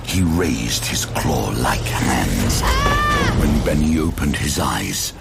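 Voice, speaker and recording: A man narrating a gothic horror drama in an ominous, deliberate, theatrical storytelling manner. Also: rumbling low, lively intonation, creaky. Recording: loud cinematic music bed. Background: loud dramatic music.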